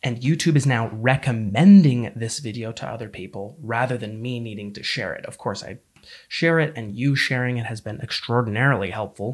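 Somewhat breathy with lively intonation, a man speaks at medium pitch and a moderate pace in a very clean recording with a silent background. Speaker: podcast host. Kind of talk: casual solo podcast monologue. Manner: rambling, self-deprecating.

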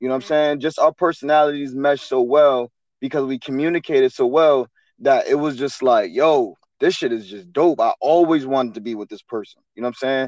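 In a normal speaking voice with an American accent, a man at a fairly high pitch talks fairly quickly, his pitch varying in an ordinary way and his loudness swinging widely, in a dry, close sound with no echo over a quiet background. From New Jersey. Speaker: podcast guest. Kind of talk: casual chat.

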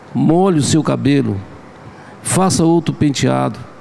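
A fairly slow-talking man with noticeable background noise around him. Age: 60s. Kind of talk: panel discussion.

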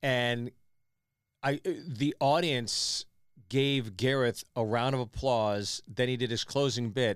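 On a very clean recording with a silent background, a man speaks very slowly at a medium pitch, with fairly even intonation and very even loudness. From Pittsburgh. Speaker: stand-up comedian. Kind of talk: casual chat. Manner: articulate.

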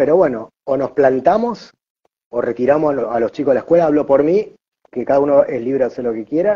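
This man's voice sits fairly high in pitch, moving at a moderate pace with lively intonation. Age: 50s. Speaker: psychologist and coach. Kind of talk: interview conversation.

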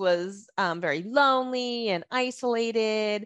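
Against a quiet background, a woman with a fairly high pitch and ordinary pitch variation talks in an unremarkable speaking voice. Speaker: author. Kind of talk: casual chat.

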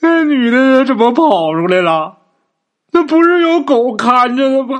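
High-pitched, put-on character voice at a fairly slow pace. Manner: sobbing, shaky.

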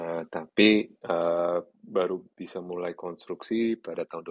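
A man's very deep, low voice, monotone and flat, with a dry, close sound and no echo. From Indonesia, Jakarta. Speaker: company executive. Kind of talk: interview.

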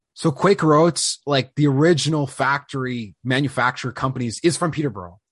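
With a Canadian accent, a man speaks fairly quickly and with hardly any pauses, his fairly high, somewhat breathy voice showing ordinary pitch variation against a quiet background. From Winnipeg, Canada. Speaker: sports podcast host. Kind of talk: interview.

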